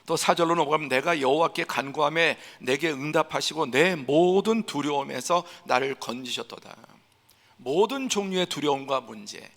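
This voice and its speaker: Male pastor, gravelly tone, preaching with emphatic build-ups, long church-hall reverb. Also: fairly high pitch, normal speed. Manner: emphatic, building to forceful peaks; acts out scenes in a hushed voice. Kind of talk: Sunday sermon. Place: church sanctuary.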